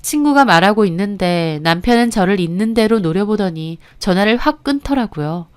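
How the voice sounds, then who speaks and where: A woman's voice: medium pitch, expressive, moderate pace, clean tone. A woman narrating her own life story in the first person, in the earnest style of a radio story.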